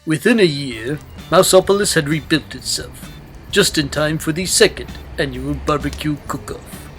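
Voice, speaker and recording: A man's voice: fairly high pitch, normal speed, fairly bright tone. A man reading a children's storybook aloud as scripted narration. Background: music.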